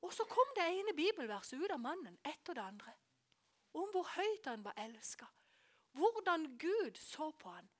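A woman preaching a sermon, telling a story with animation and dropping to hushed whispers for emphasis. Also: very high-pitched, big pitch swings. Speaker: preacher and course teacher.

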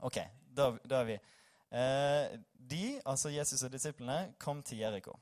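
A man's voice: medium pitch, a little mellow. Tired, joking young man preaching. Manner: self-deprecating, joking, chatty with the congregation. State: tired after little sleep. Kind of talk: informal sermon with scripture reading. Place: church hall with congregation.

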